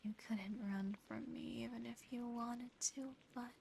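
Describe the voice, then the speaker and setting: A woman voicing an affectionate, possessive female demon in a soothing, intimate, softly teasing whisper for an ASMR roleplay. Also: a little high, fairly even intonation, measured pace. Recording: close whisper over clear background noise.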